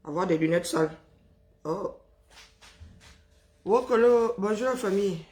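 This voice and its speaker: A woman with a Cameroonian French accent, hoarse and exhausted, talks to her live-stream audience. She is chatty and teasing, greets viewers one by one, and fills the gaps with hums and drawn-out sighs. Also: mid-range voice, darkish tone. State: hoarse, worn-out voice.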